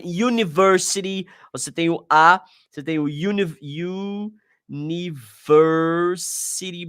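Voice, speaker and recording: A man's voice: a little high, a bit bright. A man with a Brazilian Portuguese accent teaching an online exam review lesson, casual and slangy, talking straight to his students.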